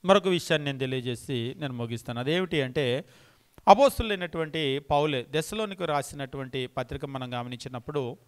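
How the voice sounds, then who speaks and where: A man's voice: mid-range voice, lively intonation, brisk. A man preaching a sermon, emphatic and repeating key phrases, asking the congregation pointed rhetorical questions.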